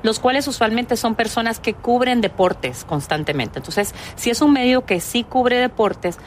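A woman's voice: a little high, moderate pace, slight background noise. Friendly woman from Guatemala explaining. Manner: friendly and explanatory, laughs easily. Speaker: host committee spokesperson. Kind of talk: studio interview guest.

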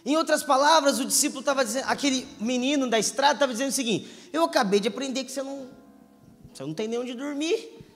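A man's voice: very high-pitched, fast talker. A man preaching a sermon to a live church crowd, acting out the dialogue and teasing the audience. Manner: animated, acts out dialogue, teases the crowd. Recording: echoey hall, light music underneath.

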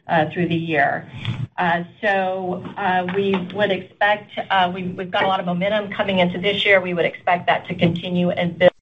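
Low, even-voiced woman, halting executive. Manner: halting, very hesitant phrasing. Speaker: airline executive. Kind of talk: earnings call Q&A, unscripted. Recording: muffled conference line, faint noise.

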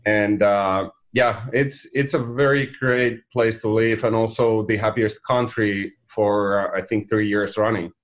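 A middle-aged man from Finland speaks English with a Finnish accent. He is a guest on a business chat show, and he talks in a halting way full of fillers and restarts. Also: lowish voice, fairly even intonation. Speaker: company founder, guest. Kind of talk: casual interview talk.

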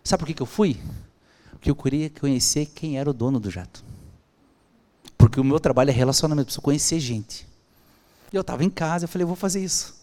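A man with a Brazilian Portuguese accent telling a personal story as a podcast guest, acting out the dialogue in an animated way. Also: fairly high pitch, fast talker, pauses often. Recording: long hall reverb.

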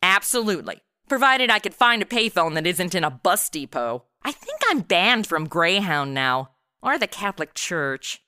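A woman's voice: fairly low pitch, very animated, moderate pace, pushed and bright, clear, resonant tone, dry recording, clean studio sound. An actress playing a sarcastic, slangy modern young American woman stuck in an old radio noir comedy, narrating and bantering with exasperation. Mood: sarcastic, insistent. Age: young adult. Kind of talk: comedic audio drama, first-person narration and dialogue.

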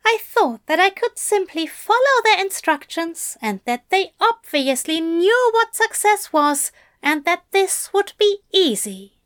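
A woman's voice: extremely high pitch, big pitch swings, measured pace, fairly bright tone, pitched above the performer's own voice, full character voice. A woman voicing an anxious, earnest male angel who pours out fretful confessions in a raised voice.

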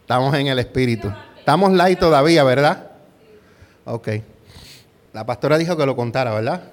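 Speaking at a normal pace with a medium-pitched voice, this middle-aged male pastor preaches informally around a story from his own life. Rhetorical questions and a tagged "¿verdad?" run throughout, along with English words dropped into the Spanish.

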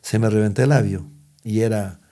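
Telling stories as an interview guest, this middle-aged musician has a lowish, dark voice with a steady tone and a brisk pace. He rambles a lot and keeps restarting.

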